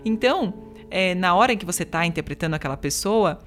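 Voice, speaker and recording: A woman with a slightly low voice explains her work as an interpreter in a relaxed interview. She talks thoughtfully and circles back with fillers and examples. Faint music plays underneath. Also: fast talker. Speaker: interpreter, guest. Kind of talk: casual interview chat.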